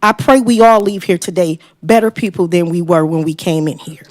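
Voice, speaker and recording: A woman's voice: on the low side, dry recording. A woman making a podium speech as a resident at public comment, apologetic and unpractised at speaking in public. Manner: halting, apologetic, self-described inexperienced public speaker. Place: council meeting room, at a podium.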